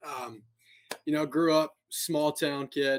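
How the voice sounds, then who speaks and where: A man talks at a moderate pace with a slight Southern US accent. The recording is very clean, with a silent background. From US South, Alabama. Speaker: fitness coach and company executive. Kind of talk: podcast interview.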